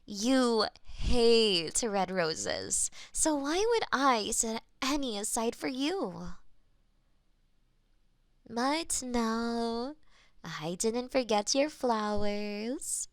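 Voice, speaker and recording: Soft-spoken, slow-talking young-sounding woman. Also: fairly high pitch, animated, clear, resonant tone, no echo, studio quality. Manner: soft-spoken, gentle, flustered and stammering at times. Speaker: ASMR roleplay performer. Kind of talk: ASMR audio roleplay. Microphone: binaural microphone.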